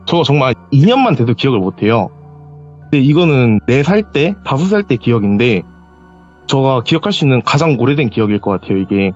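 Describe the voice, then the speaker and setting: Soft music hums behind a man who has called in to a horror storytelling line to recount something that happened to him. He talks briskly and animatedly over lo-fi phone audio, with sudden upward pitch jumps as he performs the quoted lines.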